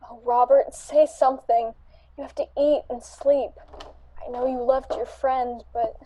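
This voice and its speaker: A woman's voice: high-pitched, steady tone, a little slow, mellow, rough recording. A woman playing an earnest, caring female friend of a detective in an amateur radio drama. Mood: worried.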